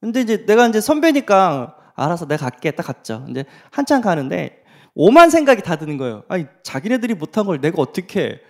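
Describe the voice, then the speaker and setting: A man's voice: high voice, sing-song, a little fast. A middle-aged man preaching, telling personal stories and asking the audience rhetorical questions. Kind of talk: sermon storytelling.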